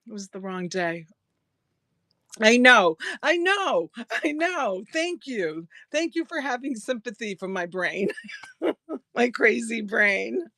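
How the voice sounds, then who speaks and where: This jewelry seller, a woman in her early sixties, chats casually on her live stream in a fairly high, sing-song voice with vocal fry and a sharp tone. She takes her time, laughs often, and thanks buyers by name, with no room sound in the recording.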